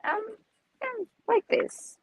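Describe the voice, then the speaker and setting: A woman in her twenties from Armenia, a native Armenian speaker, answering interview questions in halting English and searching for words. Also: very high-pitched, no echo. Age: 20s. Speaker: singer guest.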